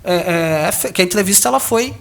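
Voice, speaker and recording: This man's voice is high, expressive, fast, gravelly and a bit bright as he answers interview questions on polling methods. A political analyst with a Brazilian Portuguese accent, he explains at length with many restarts and tag questions.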